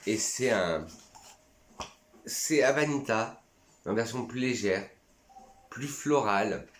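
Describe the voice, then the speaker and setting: A man's voice: medium pitch, lively intonation, takes it slowly, roomy sound, slight background noise. A man from France chatting casually and enthusiastically in a vlog, reviewing his perfumes and sometimes talking to himself. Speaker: perfume YouTuber.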